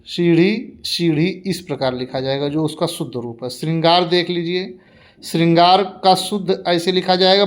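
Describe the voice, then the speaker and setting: A man teaching a spelling lesson, saying each word slowly and repeating it to give the correct form. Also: fairly high pitch. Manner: deliberate, repeats each word twice, explanatory. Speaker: Hindi teacher.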